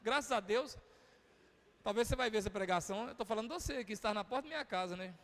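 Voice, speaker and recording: A man's voice: sits high, fast. A man with a Brazilian accent, a pastor preaching a sermon in a chatty, humorous storytelling way. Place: church. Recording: reverberant church hall.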